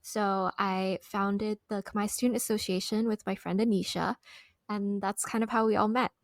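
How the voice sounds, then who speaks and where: A young woman from the United States, a podcast co-host telling a folk ghost story in a relaxed, chatty way. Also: mid-range voice, moderate pace, no echo. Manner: relaxed, chatty with light laughs. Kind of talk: casual storytelling.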